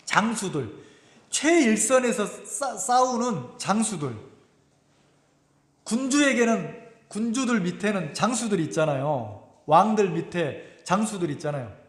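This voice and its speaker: A man's voice: high voice, big pitch swings, unhurried. A man preaching a Sunday sermon as pastor. He retells scripture in dramatic voices and asks his congregation questions. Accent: Korean, Gimhae area. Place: church sanctuary. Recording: roomy echo with long reverb.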